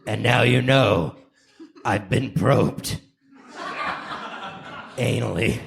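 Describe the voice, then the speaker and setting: A gruff, self-important vigilante acted out by a man in a comedy radio play. The delivery is slow, deadpan and full of creak, on a noisy live stage recording. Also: lowish voice, pitched below the performer's own voice, exaggerated voice. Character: gruff movie vigilante confessing alien abductions.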